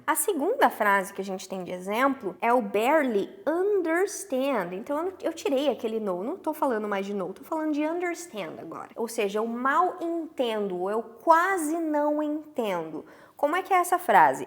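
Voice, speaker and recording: A woman with a Brazilian Portuguese accent teaching English phrases in a lively lesson. She says English examples slowly and often checks in with her students. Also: high-pitched. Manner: animated, stretches English examples slowly, frequent "tá?" check-ins.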